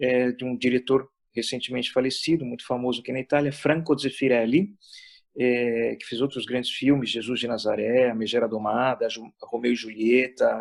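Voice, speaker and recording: A man's medium-pitched voice with a Spanish accent. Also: fairly even intonation, moderate pace. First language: Spanish (speaking Portuguese). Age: 60s. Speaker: Benedictine monk and priest. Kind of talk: interview. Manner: halting, with many fillers.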